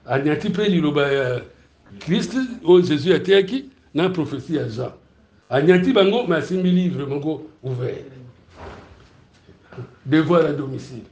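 A man with a Congolese French accent preaching a sermon, teaching in lively bursts and often asking his congregation whether it is clear. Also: on the high side, normal speed, pauses often, dull audio. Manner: animated, asks the room if it is clear, laughs between points. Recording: roomy, echoey hall.

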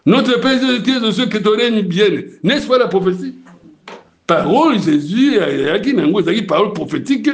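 Un homme à l'congolais qui prêche un sermon et demande souvent à l'assemblée si c'est clair. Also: male voice, high voice, expressive, moderate pace. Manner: preaching in Lingala mixed with French, asking the crowd if it is clear. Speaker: preacher.

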